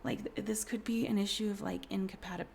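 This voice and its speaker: Hoarse, whispery woman reading tarot. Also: mid-range voice, steady tone, fast talker, a little hiss or hum. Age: 30s. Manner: soft, often whispery, rambling with fillers. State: hoarse from a cold. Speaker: tarot reader. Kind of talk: casual pick-a-card tarot reading.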